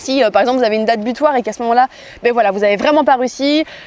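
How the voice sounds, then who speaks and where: Recorded with a dry, close sound and no echo, a woman speaks at a high pitch with ordinary pitch variation against noticeable background noise. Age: 20s. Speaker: YouTuber and singer. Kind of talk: vlog monologue. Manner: fast; hesitant, many fillers.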